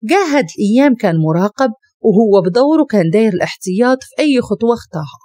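A woman with a Moroccan Arabic accent narrating a dramatic story with a brisk, expressive reading. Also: fairly high pitch, dry recording.

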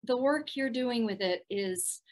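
A middle-aged woman with a soft, soothing voice, chatting as a guest in a video-call interview from a room at home, laughing often. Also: fairly high pitch, animated, measured pace. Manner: warm, laughs often, thoughtful. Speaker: voice actress guest.

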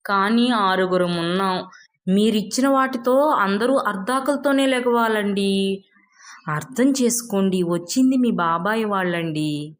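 A woman's voice: mid-range voice, natural voice. A long-suffering wife in a storybook tale, acted by a woman. She is considerate and worried, pleading and apologising as she talks.

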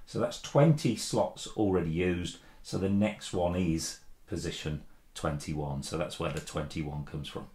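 A man in his fifties talks through a keyboard tutorial in an easygoing, unhurried way, dotted with ums and uhs. His voice sits on the low side. The sound carries a noticeable room echo from a home office recorded at table distance. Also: warm tone. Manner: easygoing, plain-spoken, frequent "um" and "uh". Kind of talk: relaxed step-by-step tutorial. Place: home studio office with desk and plants, indoors. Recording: echoey room.

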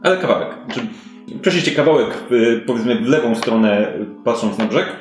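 A man's voice: medium pitch, lively intonation, brisk. A man improvising conversational, descriptive narration as the game master of a tabletop role-playing session. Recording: roomy sound with music behind.

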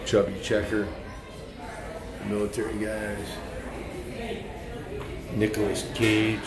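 A man's voice: on the low side, flat delivery, slow, over a noisy crowd. An older man casually narrating a walking tour of a restaurant, chatting as he points things out, filmed on a handheld phone. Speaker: vlogger touring a venue. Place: restaurant and bar, indoors.

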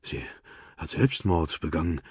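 A man's voice: very deep voice, a little slow, breathy edge, no echo, clean studio sound, exaggerated voice. A man reading an audiobook, voicing a cornered man who answers defensively and sarcastically.

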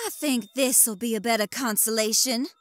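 Woman playing a high-voiced, feisty snow woman. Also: fairly even intonation, moderate pace, soft background music, lightly acted. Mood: sly, teasing. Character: feisty young snow woman, sly and defiant. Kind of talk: audio drama acting.

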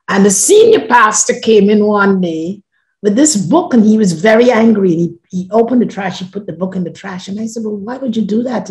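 An older woman, born and raised in Guyana, recounts her own experience for a podcast. She speaks from her living room over a video call in a lowish voice, pressing hard on key words and letting her phrases drift softly away. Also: creaky, low-quality recording. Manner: earnest, emphatic, often trailing off softly. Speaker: podcast guest. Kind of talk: personal storytelling.

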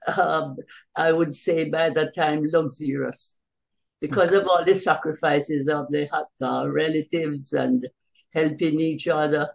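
Older woman, deep creaky voice. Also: steady tone, a little slow, low-quality recording. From Jamaica. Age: older, around 70s. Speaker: interview guest, author. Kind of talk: interview recollection of family history. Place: small bright room at home, indoors. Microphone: computer mic on a video call.

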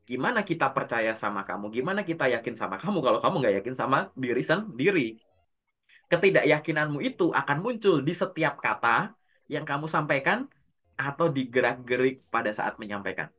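A man's voice: mid-range voice, animated, fairly quick, a bit bright. A man coaching someone for job interviews over a video call. He explains step by step and asks and answers his own questions. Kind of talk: casual coaching session.

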